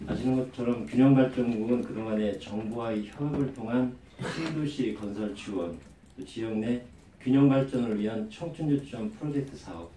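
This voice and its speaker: A man with a head cold gives a formal, measured press briefing as a government official, reading out official plans. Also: mid-range voice, mellow. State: has a lingering cold. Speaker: government official, city bureau director. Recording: roomy distant microphone, faint background noise.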